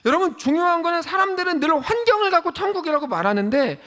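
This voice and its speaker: A man preaching a sermon as pastor, chatty and animated, asking the congregation questions and acting out quoted voices. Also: very high voice, fast talker.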